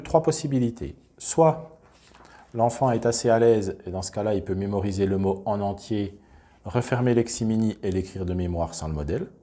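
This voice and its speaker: A man calmly explaining, step by step, how a classroom reading and spelling activity works. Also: lowish voice. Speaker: teacher explaining a reading method. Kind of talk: instructional demonstration.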